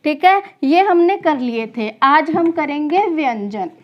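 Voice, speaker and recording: A woman with a high voice teaches a grammar lesson at an unhurried, deliberate pace. She poses a question, then answers it herself, repeating each key term for her students. The recording is slightly dull and lo-fi. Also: animated. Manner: addresses students as children. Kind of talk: classroom lesson for exam students.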